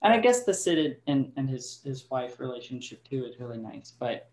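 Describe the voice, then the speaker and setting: A man in a table read discussion, thinking out loud in a halting, hedging way. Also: medium pitch, very animated. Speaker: cast member. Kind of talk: casual discussion. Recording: echoey room.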